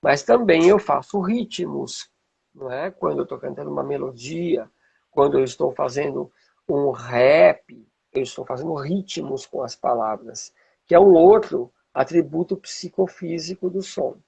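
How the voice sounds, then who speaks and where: A Brazilian man with a husky, gravelly voice, teaching informally and checking in with rhetorical questions, as a music teacher would. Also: on the high side, a little slow, warm tone. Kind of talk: informal explanatory talk with demonstrations.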